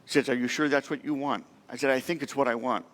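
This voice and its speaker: A man's voice: mid-range voice, steady tone, fast, fairly bright tone, long reverb tail. A middle-aged man preaching a sermon as pastor, speaking in a conversational, emotional way and asking the congregation many questions. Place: church sanctuary.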